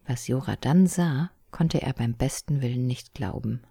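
A woman narrating a children's storybook in a calm, expressive reading voice. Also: extremely low pitch, normal speed, creaky, husky, no echo, clean studio sound.

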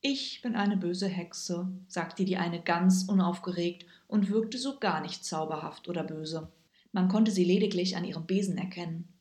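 A woman reading a children's story aloud with lively, expressive storytelling. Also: on the low side, moderate pace. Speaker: narrator. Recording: echoey room.

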